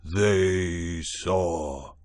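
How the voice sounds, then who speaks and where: A man voicing a solemn, hairy gray beast-man in a storybook reading, with a halting, grave delivery. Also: low-pitched, a little mellow, no room sound.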